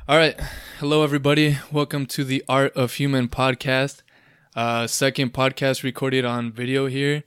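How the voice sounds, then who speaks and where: A man's voice: medium pitch, little pitch movement, moderate pace, a bit bright, smooth, no room sound, studio quality. A man in his twenties hosting a casual podcast, chatty and rambling with an upbeat manner. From Southern California. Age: 20s. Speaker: podcast host.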